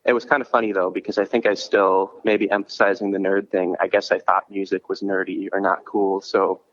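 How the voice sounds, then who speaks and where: Over a muffled phone connection from a coffee shop comes a low-voiced Minnesota man who hosts a podcast and promotes concerts, here as a guest. He talks a little fast, flat, and a bit bright, relaxing into casual stories that wander and restart, peppered with "like."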